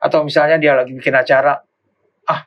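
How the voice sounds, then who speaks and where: A pastor teaching in a relaxed, unhurried way. He circles back on his words and repeats phrases as he explains. The man's mid-pitched voice comes through a dull, lo-fi recording. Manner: unhurried, repeats and restarts phrases, acts out quoted remarks. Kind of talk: informal Bible lesson teaching.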